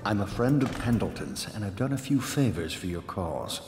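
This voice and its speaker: A discreet aristocratic man in a video game. He is dry and measured, with a slightly low voice. The sound is roomy and reverberant, with music underneath. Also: big pitch swings. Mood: hushed, earnest. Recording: echoey hall reverb with music behind.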